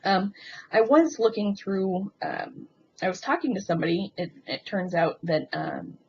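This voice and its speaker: A woman talking in a casual, rambling confessional vlog, hesitant and halting as she thinks aloud with frequent ums. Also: medium pitch, creaky. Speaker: video blogger. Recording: muffled lo-fi sound with faint background noise.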